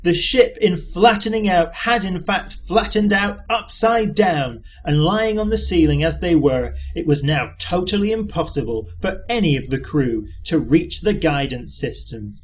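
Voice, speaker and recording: A man's voice: on the high side, expressive, measured pace, few pauses, slight background noise. A man narrating an audiobook as an amateur reader, in scripted storytelling style.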